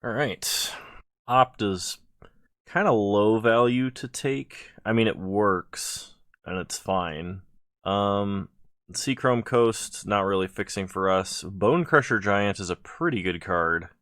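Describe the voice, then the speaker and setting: A man's voice: fairly low pitch, takes it slowly, a bit bright, no echo, clean studio sound. Sleepy man thinking aloud over a draft. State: sleepy, yawning. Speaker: video creator drafting cards. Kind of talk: casual gameplay commentary.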